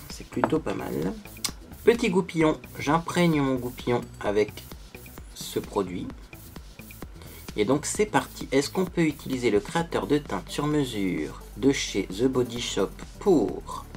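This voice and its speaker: A man of ordinary middle pitch talks viewers through his makeup in a loose, chatty way. He pokes fun at his own efforts and keeps tossing in small asides to the audience. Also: darkish tone. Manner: chatty, self-mocking, tags sentences with "hein". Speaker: beauty vlogger. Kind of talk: casual makeup tutorial.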